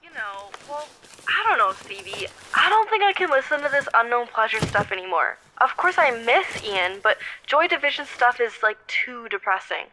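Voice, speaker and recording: An actress playing a chatty young best friend, casual, slangy and teasing, in audio drama dialogue. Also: female voice, a little high, big pitch swings, moderate pace, bright, forceful tone, a little hiss or hum, low-quality recording. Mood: chatty, wistful.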